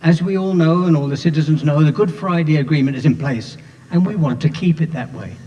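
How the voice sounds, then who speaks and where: A man's voice: on the high side, a little fast, mellow, lightly acted. A man playing an officious moderator. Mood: official. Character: formal inquiry moderator, brisk and official. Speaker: stage actor. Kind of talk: amateur stage play. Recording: dull sound, hall reverb from a stage.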